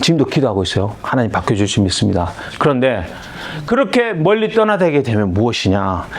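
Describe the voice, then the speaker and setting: The voice moves at a fairly quick pace in an animated tone, with very wide pitch swings and very even loudness, over audible room echo and noticeable background noise. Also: man, medium pitch for a man. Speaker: missionary. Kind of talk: lecture. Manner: fast.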